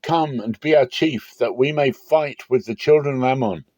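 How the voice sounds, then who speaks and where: An earnest tribal elder, acted by a male reader urges solemnly in a dramatic Bible reading. The pitch is lifted above the narration, while the tone stays mellow and the sound dry. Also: normal speed, dry recording, lightly acted. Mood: urging.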